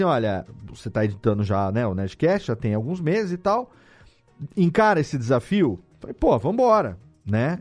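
A Brazilian man talking casually as an interviewed audio editor, explaining things in an animated way with rhetorical questions. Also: fairly high pitch. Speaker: audio drama editor and podcast guest.

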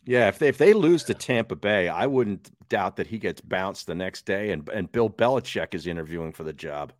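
Late 50s guy hosting a sports pod, lowish voice, dry mic, cracks jokes. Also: lively intonation, moderate pace, dry recording. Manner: wry, joking. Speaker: host. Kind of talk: casual podcast chat.

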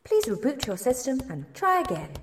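A woman's voice: high voice, wildly swooping pitch, moderate pace, noisy background. A woman voicing a female automated message system on a ship, repeating a recorded announcement. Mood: robotic. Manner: recorded announcement, repetitive sing-song.

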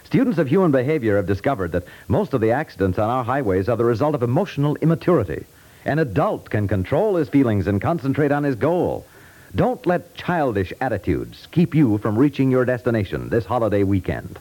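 Animated American male radio announcer. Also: medium pitch, brisk, poor audio. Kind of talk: 1950s scripted public service announcement.

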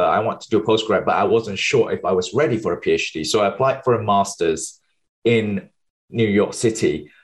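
A man from Malaysia in his thirties, a research scientist, answering interview questions in fast explanatory bursts. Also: lowish voice.

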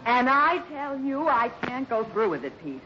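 A woman's voice: high-pitched, very animated, moderate pace, over music. Theatrical, swooping female swindler. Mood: scheming, impatient. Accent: American. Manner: theatrical, gushing, sharply commanding. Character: scheming female swindler, gushing sweetheart act, bossy underneath. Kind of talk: 1950s radio adventure acting. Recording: noisy, dull 1950s radio recording.

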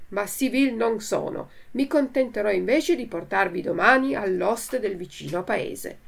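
A woman voicing a boastful grown farmer who talks loudly and sounds self-satisfied in a storybook reading. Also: a little high, gravelly, exaggerated voice.

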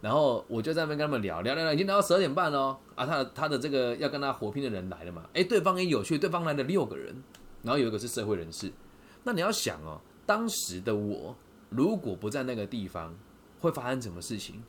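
A man with a Taiwanese Mandarin accent talks quickly, with his pitch swinging widely. He hosts a podcast in a casual storytelling style and keeps checking that his listeners follow along. A faint hiss sits under his voice. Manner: lively, asks listeners rhetorical questions. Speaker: podcast host.

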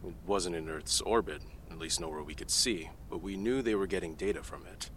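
A man playing a deep-voiced offhand analyst. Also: brisk, a bit bright, a little hiss or hum. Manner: casual, offhand, conversational. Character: candid, casual male government analyst. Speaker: CIA technical analyst testifying. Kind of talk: audio drama acting.

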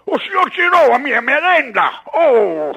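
A man's voice: very high-pitched, very animated, measured pace, vocal fry, sharp tone, dull audio, pitched above the performer's own voice, exaggerated voice. A man voicing a whining, pleading cartoon walrus, wounded and tearful, with a put-on accent. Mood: tearful indignation.

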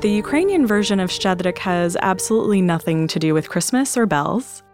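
A woman's voice: medium pitch, expressive, a little fast, music in the background. A woman from California, a journalist being interviewed, explaining things in a plainspoken conversational way. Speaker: journalist guest.

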